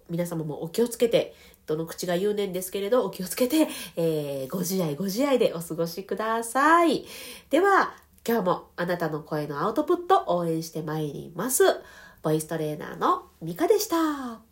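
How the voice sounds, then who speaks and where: A woman's voice: fairly low pitch, very animated, fairly quick. A woman voice trainer with a Kansai accent, hosting a casual livestream, reading comments politely and laughing often while recovering from a sore throat. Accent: Kansai Japanese. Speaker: voice trainer and podcast host.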